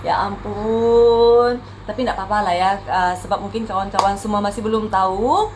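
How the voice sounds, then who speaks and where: A woman's voice: mid-range voice, fairly even intonation, moderate pace, slight background noise. A woman in her thirties from Sabah with an Indonesian-tinged Tawau Malay accent, chatting casually to camera with many fillers and self-corrections. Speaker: vlogger.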